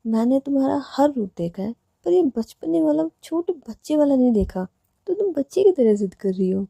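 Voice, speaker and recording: A woman's voice: high-pitched, sing-song, normal speed, gravelly, dark tone, dry recording, pitched above the performer's own voice, heavily acted. Woman voicing Preet, a fiery young college girl. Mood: affectionate. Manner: scolding, indignant, raises voice. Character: young college woman, quick-tempered but loving.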